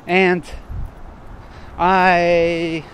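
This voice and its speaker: A man walking outdoors and thinking aloud in short, broken phrases, at times loud and assertive, almost shouting. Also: high-pitched, completely flat delivery, drawn-out words, slight background noise. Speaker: vlogger. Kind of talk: reflective walking monologue. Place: outdoors on a street while walking.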